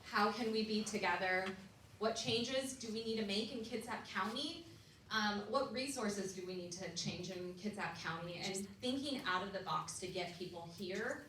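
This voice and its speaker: A woman's voice: medium pitch, moderate pace, fairly bright tone. A woman hosting a community event, speaking in a casual, improvised and friendly way. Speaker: event host. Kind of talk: casual welcoming remarks. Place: indoor event room, chairs in a circle. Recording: echoey room, distant mic, faint noise.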